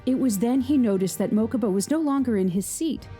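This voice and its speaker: A woman reads a dramatic story aloud, with a mellow, darker tone. Her delivery is measured and scripted, and it leans into tense moments. Faint music plays underneath. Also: fairly high pitch, animated. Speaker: narrator.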